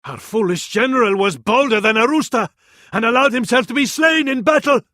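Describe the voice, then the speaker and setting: High-voiced, fervent Arab battlefield advisor. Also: male voice, lively intonation, fairly quick, pushed and bright, no echo, studio quality, exaggerated voice. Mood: scornful. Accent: Arabic. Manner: ornate, dramatic, proverb-laden delivery. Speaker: military advisor in a strategy game. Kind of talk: theatrical video game voice acting.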